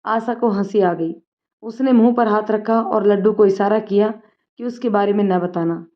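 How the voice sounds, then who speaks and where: Woman narrating a story calmly. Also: mid-range voice, normal speed. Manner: calm, steady storytelling. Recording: dull lo-fi recording.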